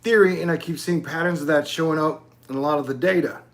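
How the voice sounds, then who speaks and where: Rambling man in his forties, higher voice. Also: quick pace, creaky. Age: 40s. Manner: loose, digressive, swears casually. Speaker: YouTube channel host. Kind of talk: casual rambling monologue.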